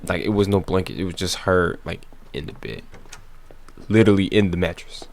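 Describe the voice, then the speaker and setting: A man's voice: low voice, brisk, vocal fry. A man giving casual, slangy, grumbling commentary as he plays through a video game. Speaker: gaming video host. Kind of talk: casual blind playthrough commentary. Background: video game audio.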